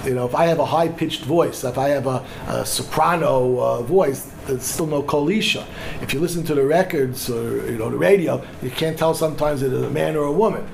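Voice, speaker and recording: A man's voice: mid-range voice, brisk, vocal fry, background noise. A middle-aged man teaching a class on Jewish law as a rabbi, discursive and full of Hebrew legal terms, often restarting his sentences. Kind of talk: lecture on Jewish law with audience questions.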